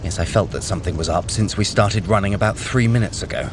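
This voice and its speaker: An actor playing a cunning, sardonic trickster god in an audio adventure, with a wry, condescending, theatrical manner. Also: male voice, low voice, fast, background noise, lightly acted. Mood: smug. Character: Loki, cunning, sardonic male trickster god, brother of Thor. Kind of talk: scripted audio adventure acting.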